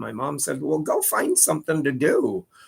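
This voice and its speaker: The speaker has an American accent. Vocal fry runs through the voice. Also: man. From Oklahoma, Tulsa. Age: 60s. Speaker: podcast host. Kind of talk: interview. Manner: halting, many fillers.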